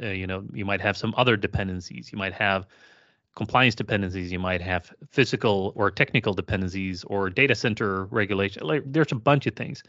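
A man's voice: on the low side, sharp tone, dry recording, dull audio. A man co-hosting a casual tech podcast, talking at length with many fillers. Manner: rambling, many "uh" and "you know" fillers. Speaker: podcast co-host.

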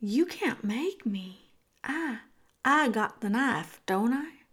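A woman's voice: on the high side, lively intonation, slow pace, fairly bright tone, husky, heavily acted. A woman voicing a simple, needy, wounded little servant girl in a storybook, with plaintive, uneducated folksy speech. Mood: defiant.

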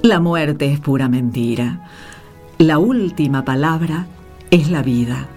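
A woman's voice: sits low, takes it slowly, darkish tone. A woman with an Argentine accent playing an emotional narrator remembering a journey of faith in a radio play. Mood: moved, hopeful. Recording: music under the voice.

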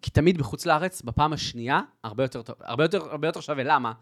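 A young man chatting as a podcast guest, telling lively stories and laughing often. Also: fairly high pitch. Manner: lively storyteller, laughs often, switches into Spanish phrases. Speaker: podcast guest, content creator. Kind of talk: casual chat.

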